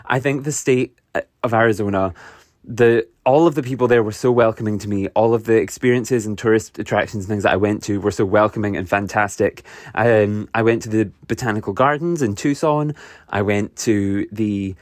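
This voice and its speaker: A man's voice: on the low side, normal speed, dry recording, studio quality. Enthusiastic Scottish man hosting a podcast. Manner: enthusiastic, rambling, many fillers and restarts. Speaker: podcast host. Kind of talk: casual solo podcast recap.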